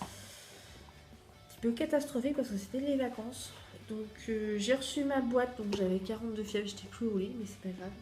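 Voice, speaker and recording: A woman's voice: mid-range voice, a little mellow. Chatty French woman in an echoey room. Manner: chatty, hesitant with many fillers. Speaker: beauty vlogger. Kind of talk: casual chat unboxing. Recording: echoey room with faint music.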